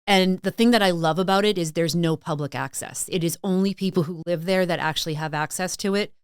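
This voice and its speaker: Low-pitched, smooth-voiced woman guest. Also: fairly quick, no echo, studio quality. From Massachusetts and Maine, USA. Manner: chatty, storytelling, frequent "like" and "um". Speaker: podcast guest, sales consultant and author. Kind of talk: casual interview chat.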